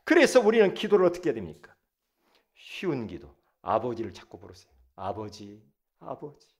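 A male pastor preaching a sermon, leading the congregation to repeat after him and swinging from quiet asides to loud exclamations. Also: on the high side, a little fast. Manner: lively, swings between soft asides and shouted exclamations; leads the congregation in call-and-response.

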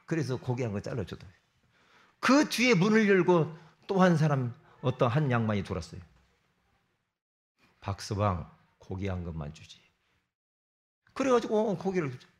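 A middle-aged man preaching a sermon to his congregation. He swings between loud emphatic bursts and low asides. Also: sing-song, a little fast. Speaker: pastor.

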